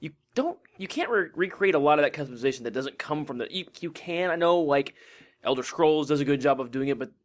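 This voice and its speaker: Fast-talking rambling man on a podcast. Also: fairly high pitch, expressive. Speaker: podcast co-host. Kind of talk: casual video game podcast chat.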